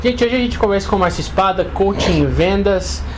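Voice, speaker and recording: A man's voice: high-pitched, animated, a little fast, music in the background, rough recording. A man with a Brazilian accent hosting a casual interview, asking questions conversationally. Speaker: interview host. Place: inside the guest's home. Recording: faint background noise, ambience.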